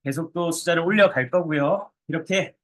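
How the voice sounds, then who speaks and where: A man's voice: on the high side, normal speed, fairly bright tone. A man leading a group workout as a fitness coach, counting reps and giving short, commanding cues with encouragement. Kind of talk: live exercise class instruction with counted reps.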